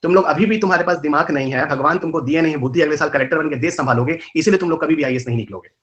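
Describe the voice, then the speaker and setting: A man's voice: fairly high pitch, fairly bright tone, highs cut off. A man with a rural north Indian Hindi accent, teaching a live online exam-prep lecture, firing rhetorical questions and scolding his students. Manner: rapid colloquial Hindi mixed with English terms.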